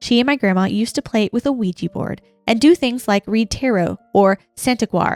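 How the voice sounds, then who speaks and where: With music in the background, a woman speaks at a fairly high pitch and ordinary pitch variation in a dry, close sound with no echo. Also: moderate pace. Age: 20s. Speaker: podcast co-host. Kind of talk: reading aloud listener stories.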